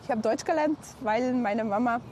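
A woman from Hungary who works as an interpreter, speaking German as a second language and explaining things in a friendly, clear way. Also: fairly high pitch, normal speed, darkish tone, slight background noise.

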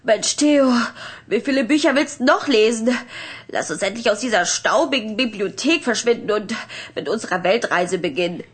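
Sassy cartoon girl, husky with a cold, fairly high, sarcastic, restless. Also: animated, moderate pace. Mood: impatient. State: has a cold. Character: impatient, sassy girl who dreams of music. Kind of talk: children's cartoon voice acting.

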